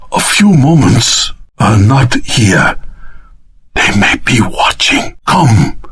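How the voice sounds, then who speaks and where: An actor playing an elderly, earnest and secretive nobleman in a video game, with a breathy, raspy voice and a formal, courteous, deliberate delivery. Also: medium pitch, fairly bright tone, exaggerated voice. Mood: urgent, pleading. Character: frail elderly Japanese nobleman, earnest, secretive, solemn storyteller. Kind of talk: video game voice acting, dramatic exposition.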